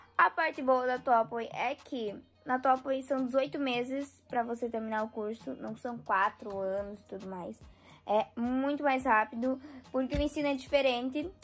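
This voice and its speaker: Faint music plays behind a woman with a high-pitched voice. She speaks at a moderate pace. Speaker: vlogger. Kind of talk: casual vlog chat. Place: home room. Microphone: phone near.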